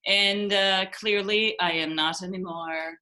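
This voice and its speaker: A woman in her forties, originally from Denmark and raised in Israel, talks about directing on a video call. Her voice is bright and forceful, and she keeps circling back and restarting her thoughts. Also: medium pitch, steady tone, unhurried. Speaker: theatre director and actress. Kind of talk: casual interview chat.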